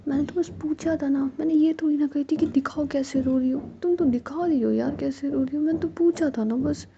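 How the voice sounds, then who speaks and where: A woman voicing Jiya, a playful young woman who teases her partner, with a mellow, slightly gravelly voice on a dull lo-fi recording. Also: sits high, brisk, voice pushed up. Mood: teasing. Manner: affectionate, teasing. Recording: dull lo-fi recording with faint noise.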